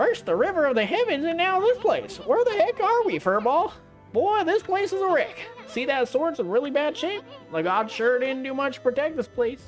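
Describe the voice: A put-on character voice, high in pitch with very wide pitch swings, moves at a moderate pace as clear music plays in the background.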